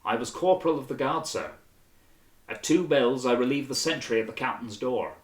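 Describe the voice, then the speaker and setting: A man playing a nervous, stiff marine corporal in an audiobook, halting and deferential. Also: medium pitch, echoey room, pitched above the performer's own voice, lightly acted.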